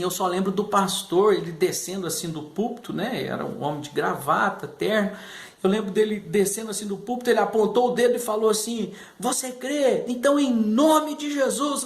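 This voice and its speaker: A man, a pastor telling his personal testimony in an animated storytelling way, acting out the voices he quotes and often adding "né". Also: sits high, vocal fry, echoey room.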